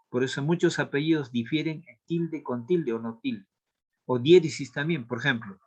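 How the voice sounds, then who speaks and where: A man's voice: medium pitch, muffled recording. Man teaching a spelling lesson. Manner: explains step by step, repeats key points. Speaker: language teacher. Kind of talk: classroom lesson on accent marks.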